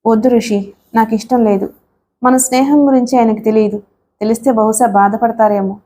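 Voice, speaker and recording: Quiet firm young wife read by a woman, high mellow voice, audiobook. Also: steady tone, a little fast, slight background noise, close to an everyday voice.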